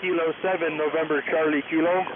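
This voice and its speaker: A man's voice: a little high, steady tone, brisk. A male amateur radio operator repeating a phonetic callsign over a shortwave transmission. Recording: narrow shortwave radio with clear static.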